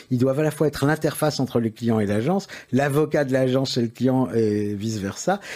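The voice has a dark, mellow tone and a slight Parisian accent. Loudness stays very even, and pitch varies in an ordinary way. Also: man, medium pitch for a man. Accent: slight old Parisian. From Paris, France. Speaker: advertising agency founder. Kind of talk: interview. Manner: halting, many fillers.

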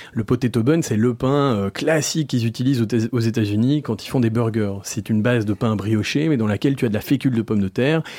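He has an unremarkable speaking voice, medium in pitch, with ordinary pitch variation. The man talks at a moderate pace. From Belgium, Brussels. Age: 40s. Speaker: restaurant owner. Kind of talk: radio interview. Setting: studio.

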